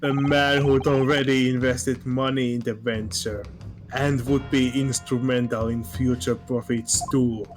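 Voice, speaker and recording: A man's voice: mid-range voice, flat delivery, unhurried, natural voice. A man reading as a haughty prosecutor. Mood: scornful. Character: haughty, menacing adult male British prosecutor. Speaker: streamer reading a prosecutor's lines. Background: game music.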